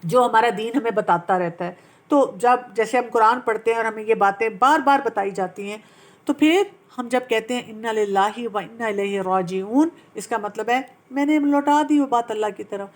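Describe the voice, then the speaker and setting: A woman, a pediatrician and parenting coach, gently explaining how to heal from trauma and slipping English terms into her speech. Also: on the high side. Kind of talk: Islamic-based talk on healing from trauma.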